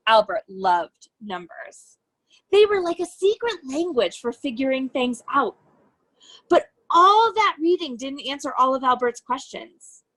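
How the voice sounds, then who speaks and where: High-pitched woman reading a storybook aloud. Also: rough recording. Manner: expressive, deliberate phrasing with emphasized key words. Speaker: educator reading a children's book aloud. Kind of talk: children's storybook read-aloud.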